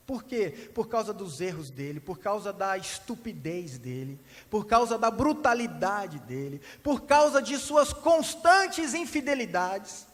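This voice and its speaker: High-voiced pastor preaching in a hall. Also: male voice, measured pace, hardly any pauses. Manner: animated storytelling, acts out voices. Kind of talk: sermon. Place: church hall. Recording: long hall reverb.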